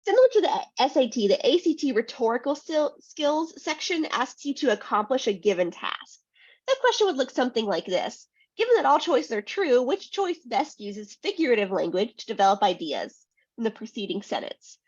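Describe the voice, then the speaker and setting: A woman's voice: on the high side, very animated, moderate pace, breathy edge, no room sound. Sniffly woman tutoring via webinar. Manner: chatty, frequent "um" and "right?". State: sniffly from a cold. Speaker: test prep tutor. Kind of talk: webinar presentation. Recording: dull lo-fi webinar audio.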